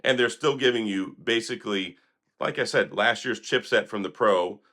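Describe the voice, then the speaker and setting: Hoarse, sarcastic tech vlogger man. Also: fairly low pitch, moderate pace, fairly bright tone. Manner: sarcastic, critical, rambling. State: hoarse, recovering from illness. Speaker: tech video host. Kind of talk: opinionated tech commentary vlog.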